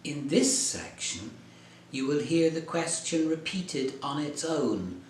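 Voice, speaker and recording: A male English tutor gives scripted lesson instructions in a slow, deliberate, clear delivery. His voice sits at a middle pitch, and the room has a noticeable echo with a faint hum underneath. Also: animated, a little mellow. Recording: echoey room.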